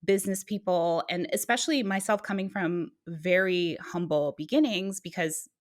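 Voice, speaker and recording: A middle-aged woman, born in Guyana and raised in the US, guesting on a podcast and telling her life story in a casual, animated way. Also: on the low side, normal speed. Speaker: guest author. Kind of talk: conversational podcast interview.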